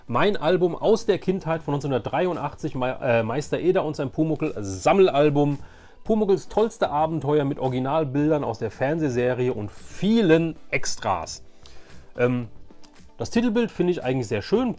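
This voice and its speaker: A man in his forties hosts a casual nostalgic show-and-tell. He rambles at a medium pitch, hesitating and repeating himself, with faint music underneath. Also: darkish tone. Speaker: YouTube host showing childhood collections.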